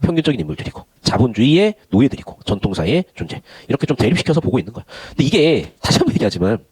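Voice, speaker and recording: A man's voice: medium pitch, big pitch swings, racing, a little mellow, a little hiss or hum. A man teaching Korean literature in an online lecture. He talks in a chatty way and moves between polite and casual speech. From Gyeongsang region of Korea.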